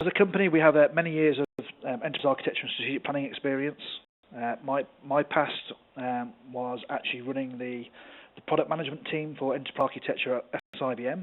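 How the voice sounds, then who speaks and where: Fairly high in pitch, a man with a British accent talks at a very fast pace with fairly even intonation. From UK. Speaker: enterprise architecture executive. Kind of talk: webinar presentation.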